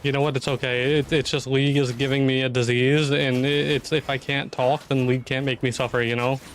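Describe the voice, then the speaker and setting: A young man streaming a game and talking in a loose, offhand way, breaking off his own sentences as he plays. His voice sits at an average pitch and is turning a little hoarse, so he keeps clearing his throat. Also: level tone, fairly quick, faint music behind, low-quality recording. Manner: chatty, offhand, swears, self-interrupting. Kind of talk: casual gameplay commentary.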